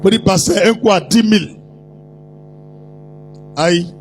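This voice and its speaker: A high-pitched male preacher holds forth in an animated, teasing storytelling sermon. He breaks into put-on voices and sudden shouts. Soft music plays faintly behind him. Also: slow pace.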